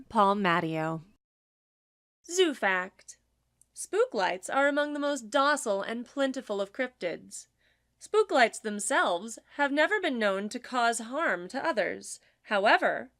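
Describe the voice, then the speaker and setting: A woman reads a podcast's end credits and thanks its sponsors, slightly high-pitched and very animated, with a wry, lightly joking tone. The recording is dry and close. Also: no room sound.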